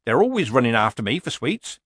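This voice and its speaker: A man's voice: mid-range voice, very animated, brisk, fairly bright tone, slightly rough, no echo, studio quality. A man voicing a shrewd, cheerful old woman witch who talks bluntly and mildly. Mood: wry. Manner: blunt, earthy, mild.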